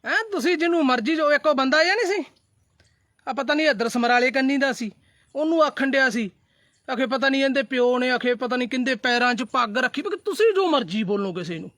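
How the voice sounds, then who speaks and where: A man's voice: very high-pitched, lively intonation, fairly quick, a bit bright, no echo, studio quality. A man ranting defiantly to his viewers in a casual live video, repeating himself and brushing off threats. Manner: defiant, repetitive, addresses viewers as brothers. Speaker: social media live streamer. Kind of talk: heated casual rant to viewers.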